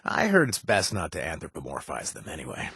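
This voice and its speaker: An actor playing a wry, chatty wasteland informant in a video game, husky, with a hesitant, rambling delivery and joking asides. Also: male voice, rumbling low, huge pitch swings, fairly quick, pushed and bright, no room sound, studio quality, heavily acted. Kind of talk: video game voice acting, casual spoken tips.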